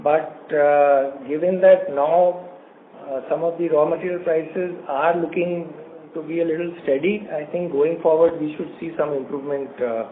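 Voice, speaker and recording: A man with an Indian accent speaking as a company executive on an earnings call, formal, measured and halting. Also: on the high side, fairly even intonation. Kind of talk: prepared business remarks and investor answers. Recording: phone-like conference line with faint noise.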